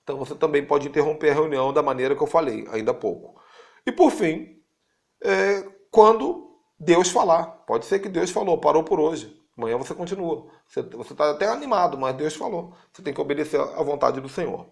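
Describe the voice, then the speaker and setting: A man with a Brazilian Portuguese accent giving an informal spiritual teaching, animated and repetitive, speaking straight to his listeners. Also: a little fast, gravelly. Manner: animated, acts out quotes with sudden high-pitched jumps; repeats words for emphasis, addresses listeners directly. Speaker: apostle teaching a course.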